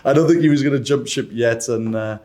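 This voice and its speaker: Welsh man chatting casually, mid-pitched. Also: a little fast, dark tone. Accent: Welsh, Cardiff. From Cardiff, Wales. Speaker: podcast guest, football fan leader. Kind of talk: casual chat.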